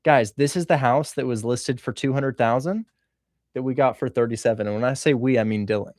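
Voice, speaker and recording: A man's voice: mid-range voice, brisk, darkish tone, dry recording, clean studio sound. A man hosting a livestream interview about real estate wholesaling, talking with energy and repeating his questions. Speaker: host, wholesaling coach.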